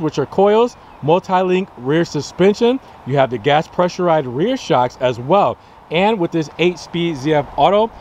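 Young male car-channel host, upbeat and chatty, higher-pitched, recorded outdoors on a lot with faint background noise. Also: darkish tone. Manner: chatty, upbeat, addresses viewers as guys. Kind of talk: casual car review to camera. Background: light wind and outdoor ambience.

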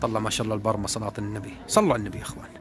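A man, giving a casual, animated running commentary while flying his pigeons outdoors. He repeats words and calls out to the birds. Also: lowish voice, rapid-fire. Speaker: pigeon keeper vlogger.

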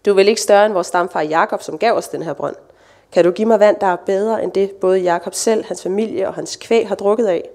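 A woman's voice: mid-range voice, darkish tone, close to an everyday voice. A woman reading the lines of a wary Samaritan woman at a well, in a plain, questioning scripture reading.

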